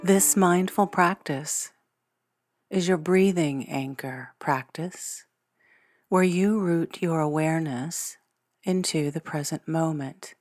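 Female meditation guide, lowish pitch, very unhurried and soothing, short phrases with long pauses, new-age music clearly underneath. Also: no room sound, clean studio sound. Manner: gentle, soothing, soft-spoken delivery with long pauses. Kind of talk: scripted guided meditation narration.

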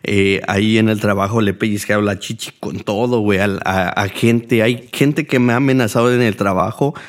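A man with a Mexican Spanish accent, speaking a bit low. He talks in a loose, rambling monologue full of fillers and swearing, as a podcast host. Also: fairly even intonation, normal speed. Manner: profane, rambling, heavy use of fillers. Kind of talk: casual monologue.

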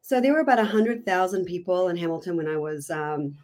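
Woman, New Zealand accent, forties, lowish voice, chatty, self-deprecating. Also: expressive, brisk, darkish tone. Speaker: guest. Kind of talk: casual interview chat.

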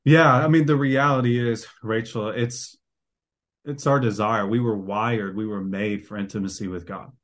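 A man's voice: lowish voice, fairly even intonation, normal speed, a bit bright. A man who is a guest author on a podcast, explaining his ideas in an earnest, preacher-like way. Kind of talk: conversational podcast interview.

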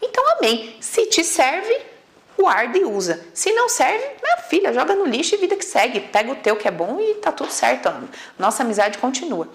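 A woman with a Brazilian accent teaches her own method to viewers in a casual online lesson. Her voice sits fairly high, with some gravelly fry. She talks in an animated, blunt way and acts out the inner voices she describes. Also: brisk, a little hiss or hum. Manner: animated, informal and blunt, with occasional swearing. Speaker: emotional coach teaching a method.

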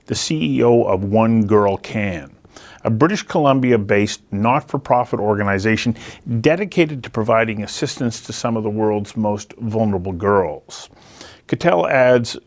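A man with a somewhat low voice hosts a conversation show. He talks in long, earnest, reflective sentences and takes his time making his point. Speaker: interview show host. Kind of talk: scripted intro then conversational interview.

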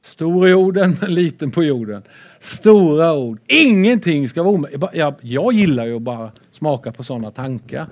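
A man preaching a lively sermon with Bible readings, excitable and playful, swinging between loud and soft. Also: fairly high pitch, hardly any pauses.

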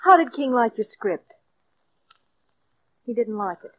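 An actress playing an indignant, loyal young wife, speaking emphatically in 1940s radio acting style. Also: female voice, fairly high pitch, expressive, a little slow. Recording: muffled old radio broadcast.

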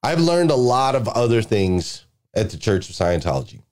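Energetic middle-aged man giving motivational talk. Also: fairly low pitch, moderate pace. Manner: energetic, lively storytelling with emphatic repetition. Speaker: podcast guest speaker, leadership coach.

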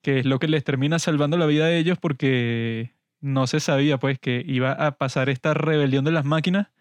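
A man's voice: fairly high pitch, steady tone, fairly quick, smooth, no echo. A man hosting a casual film review podcast, talking in a wry, mock-serious way. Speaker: podcast host.

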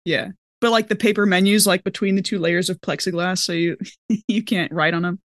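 A woman's voice: lowish voice, fairly even intonation, fairly quick, no room sound, studio quality. A woman playing a tabletop roleplaying game, slipping between casual table talk and improvised character lines in a slangy, playful way.

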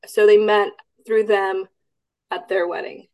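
A young woman from Texas who grew up speaking Cantonese talks about her past. She answers steadily, pausing and correcting details as she recalls them, at a middle pitch. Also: steady tone, creaky, a little mellow. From Austin, Texas. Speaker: guest. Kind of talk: casual podcast interview.

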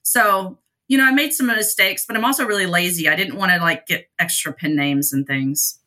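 A woman's voice: fairly low pitch, normal speed, pushed and bright. A woman guest author chatting casually on a podcast, talkative and self-deprecating.

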